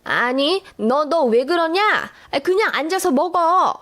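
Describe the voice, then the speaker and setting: Woman voicing an older mother-in-law, high, shrill, scornful, nagging, radio drama. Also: animated, measured pace, a bit bright. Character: scolding sharp-tongued older mother-in-law.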